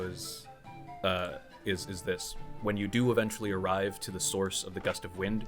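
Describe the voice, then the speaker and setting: A man narrating a tabletop roleplaying game as game master, improvising in a halting, conversational way as he thinks aloud. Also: low-pitched, a bit bright. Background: music.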